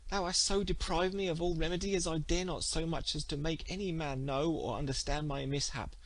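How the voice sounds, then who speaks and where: A man's voice: on the high side, fairly even intonation, brisk, voice pushed up, lightly acted, rough recording. A man voicing an anguished, vengeful young woman, wailing melodramatically in an archaic storybook tale. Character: anguished, vengeful young wronged woman lamenting her betrayal. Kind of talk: dramatic archaic storybook reading.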